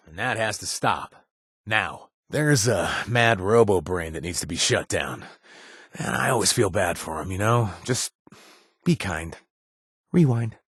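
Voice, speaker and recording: Game companion, male, young adult, wisecracking mercenary, animated delivery, dry studio read. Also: mid-range voice, gravelly, husky, no echo, exaggerated voice. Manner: casual, joking, with filler "uh"s. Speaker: quest-giving companion. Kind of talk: video game voice acting. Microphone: dry studio recording.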